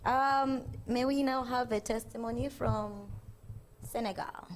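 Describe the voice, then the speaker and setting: A woman with a mid-pitched voice moderates a conference session. Some faint noise sits behind her voice. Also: fairly even intonation, measured pace.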